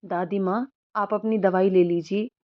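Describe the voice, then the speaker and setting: A woman's voice: mid-range voice, steady tone, measured pace, muffled recording, lightly acted. A woman voicing a clever young woman who politely persuades an old grandmother into a plan, in a storybook reading. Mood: persuasive.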